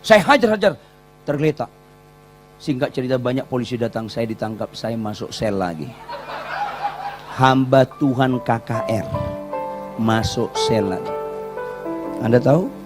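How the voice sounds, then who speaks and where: A man's voice: mid-range voice, a little slow, pauses often, music in the background. A male pastor preaching a sermon, telling stories with animation and hammering points home. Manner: animated, emphatic storytelling, repeats points for emphasis.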